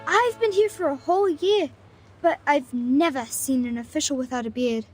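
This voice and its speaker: An actress playing a cheeky, streetwise young arcanist in a video game, teasing, theatrical and talkative. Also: female voice, sits high, moderate pace, close to an everyday voice. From Bosnia and Herzegovina. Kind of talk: video game story voice acting. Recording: loud music under the voice.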